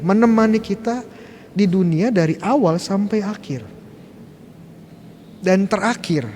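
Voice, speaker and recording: A man's voice: high-pitched, a little mellow. Man, priest, Sunday homily, chatty questions to the pews, "ya" tags, church echo, faint hiss. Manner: asks the congregation questions, tags phrases with "ya". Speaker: Catholic priest. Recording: long church reverb, faint background noise.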